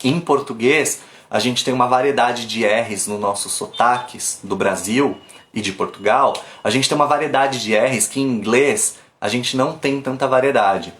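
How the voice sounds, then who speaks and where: A man from Brazil teaches pronunciation live on his phone, chatty and lively, stopping often to show how a sound is made. His voice sits at a middle pitch. The room around him rings a little. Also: normal speed, echoey room. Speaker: English teacher. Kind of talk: live online pronunciation class. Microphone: phone camera.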